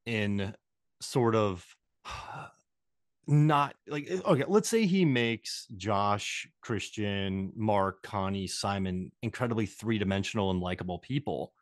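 A man co-hosting a podcast, talking about films in a relaxed conversational way and reading quotes aloud. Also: fairly low pitch, slow pace, dry recording, clean studio sound. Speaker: podcast co-host. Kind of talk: casual film discussion.

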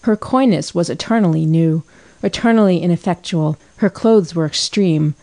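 Calm woman audiobook narrator, low and mellow. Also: moderate pace. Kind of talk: scripted narration.

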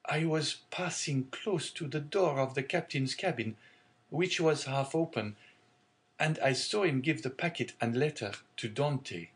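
A man's voice: on the high side, unhurried, pitched above the performer's own voice. A man voicing a sly, jealous male ship's officer who insinuates. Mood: insinuating.

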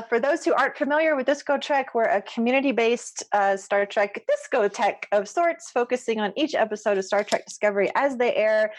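A woman with a fairly high voice hosts a casual podcast chat, sounding upbeat and enthusiastic as she welcomes people. Her voice is dry and close, with no room sound. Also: no echo. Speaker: podcast host.

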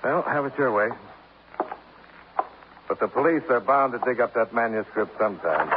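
A man's voice: mid-range voice, expressive, normal speed, lightly acted. An actor playing a dry, blunt male insurance investigator in a 1950s radio drama, asking terse, clipped questions. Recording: tinny, hissy old radio broadcast.

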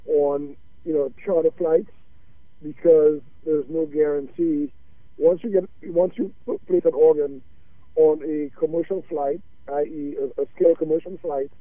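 Male guest over a tinny phone line, dry sound, halting with constant fillers. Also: on the high side, no echo. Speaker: guest, drone company founder.

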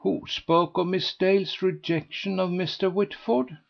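A man voicing a regal, composed older society matron who speaks in measured, judicial, dry tones. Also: sits high, steady tone, creaky, dull audio, pitched above the performer's own voice, exaggerated voice. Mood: cool.

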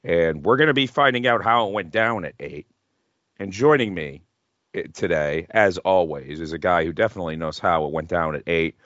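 A man's voice: low voice, normal speed, a bit bright, dry recording, muffled recording. A man hosting a casual wrestling chat podcast, talking in a jokey, hyperbolic way with some swearing. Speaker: podcast host.

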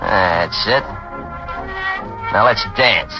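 A boozy sneering private eye. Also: male voice, lowish voice, very slow, music in the background. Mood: menacing. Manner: mocking, swings from drawling to tense. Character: hard-drinking sardonic male snoop, menacing. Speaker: drunken private detective. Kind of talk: 1940s radio acting. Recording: dull old radio broadcast recording.

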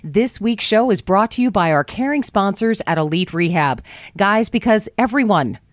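A woman hosting a talk radio show from a studio, chatting in a folksy, upbeat way, her voice worn low after travel. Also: lively intonation, moderate pace, no room sound. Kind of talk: talk radio monologue with live ad reads. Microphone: studio microphone.

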